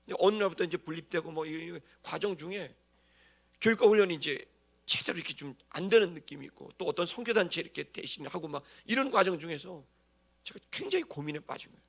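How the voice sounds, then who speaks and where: With a high, creaky, somewhat bright voice, a man preaches as a pastor. His sermon is animated, full of colloquial, dramatic stories and acted-out emphasis.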